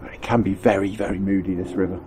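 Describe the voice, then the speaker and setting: Bunged up guy, kinda low voice, rambling on at the riverbank, bit of wind hiss. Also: fairly even intonation, fast. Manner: chatty, rambling, chuckles often. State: congested from a cold, nasal. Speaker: angling vlogger. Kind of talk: casual on-the-spot commentary. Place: outdoors on a windy riverbank. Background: faint wind noise.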